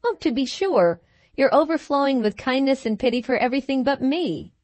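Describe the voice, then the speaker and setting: A woman's voice: high voice, lively intonation, a little fast, darkish tone, dry recording. A woman voicing a peevish, self-pitying young husband who speaks in a sulky, sarcastic way in an audiobook.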